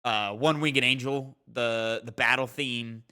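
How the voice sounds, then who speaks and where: Man, bright forceful voice, mid pitch, casual podcast co-host, opinionated, emphatic, informal. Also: fairly even intonation, takes it slowly, smooth.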